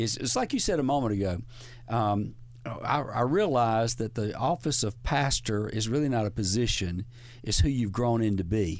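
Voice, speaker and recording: A man with a Southern US accent speaks at a moderate pace, his medium pitch showing ordinary variation. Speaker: pastor and radio co-host. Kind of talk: radio call-in show. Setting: studio.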